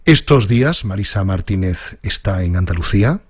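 Deep, husky male radio interviewer. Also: expressive, normal speed, darkish tone, no room sound, clean studio sound. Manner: formal, scripted introduction. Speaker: interviewer host.

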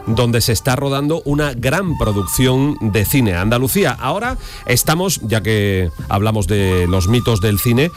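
A man hosting a radio show, relaxed and conversational as he throws questions to a reporter. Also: mid-range voice, a little slow, soft background music. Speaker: host.

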